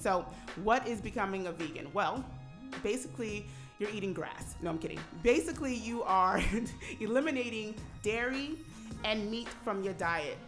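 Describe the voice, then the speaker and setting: A woman in her forties hosting a radio talk show, chatting casually with many fillers and easy laughs. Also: medium pitch. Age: 40s. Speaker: radio host. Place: radio studio. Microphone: studio microphone.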